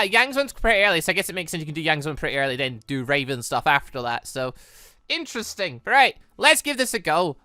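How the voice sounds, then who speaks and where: A man's voice: fairly high pitch, sharp tone, no room sound. A man hosting a gaming series with casual let's-play commentary, rambling and hesitant as he thinks aloud.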